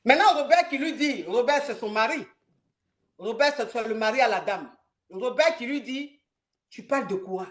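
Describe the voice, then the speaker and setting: Animated woman telling a story. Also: a little high, normal speed. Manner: animated, repetitive, dramatic retelling. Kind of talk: live-streamed storytelling.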